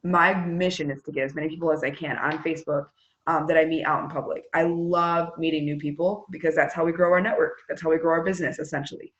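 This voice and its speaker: A woman's voice: low voice, steady tone, quick pace, a bit bright, muffled recording, a little hiss or hum. A woman leading a team meeting on a video call, chatty and upbeat as she hypes up sales goals and runs prize drawings. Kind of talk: casual enthusiastic pep talk on a video call.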